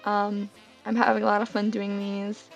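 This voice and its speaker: A young woman talks casually over a faint music bed, her voice gravelly and hoarse as she gets over a cold. She rambles, leans on fillers like "like" and "um", and pokes fun at herself. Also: mid-range voice, monotone, normal speed, highs cut off. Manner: rambling, filler-heavy and self-deprecating. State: hoarse, getting over being sick. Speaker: bullet journal vlogger.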